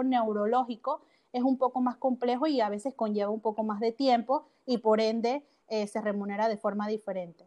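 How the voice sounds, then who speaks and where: A woman's fairly high-pitched voice with a dark, mellow tone and fairly even intonation, dry and close with no echo, over a quiet background. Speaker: physiotherapist. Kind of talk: interview.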